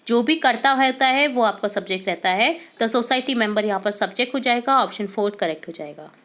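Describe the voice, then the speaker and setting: A woman teacher going through quiz answers step by step, asking questions and answering them herself, reading English questions slowly and deliberately. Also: a little high, a bit bright. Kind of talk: quiz answer walkthrough lesson.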